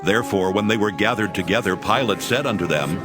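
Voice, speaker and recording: A man's voice: lowish voice, fairly quick, over music. A man narrating scripture as a dramatized reading.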